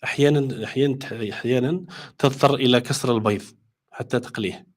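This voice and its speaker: An Algerian man gives a language lesson in a mid-pitched voice. He rushes through his Arabic and then slows right down for careful English. He fills his pauses with many "uh"s. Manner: switches between rapid Arabic and slow deliberate English, many fillers. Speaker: language teacher.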